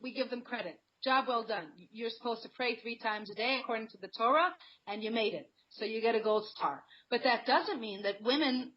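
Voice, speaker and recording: An earnest woman talking on a radio show, relaxed and conversational as she tells personal anecdotes. Her voice sits a little high for a woman. The sound is muffled and lo-fi, like an old broadcast. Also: fairly quick. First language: not Hebrew. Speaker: guest. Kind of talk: radio interview, personal storytelling.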